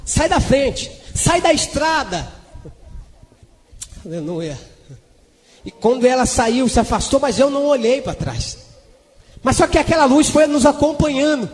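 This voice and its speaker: A man's voice: extremely high pitch, big-room sound. A man preaching a testimony with impassioned storytelling, breaking into speaking in tongues. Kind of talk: sermon testimony.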